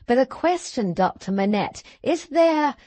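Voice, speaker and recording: A woman voicing a brisk, blunt, loyal middle-aged Englishwoman servant in a storybook, emphatic and forthright. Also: sits high, animated, dark tone, no echo, voice pushed up. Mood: briskly stoic.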